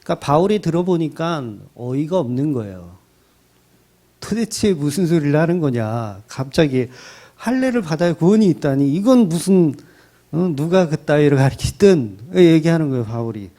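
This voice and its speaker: A man's voice: a little high, moderate pace. A male pastor giving a Sunday sermon in a colloquial, dramatic storytelling manner. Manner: animated, rising and falling delivery. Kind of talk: Sunday sermon, expository Bible teaching.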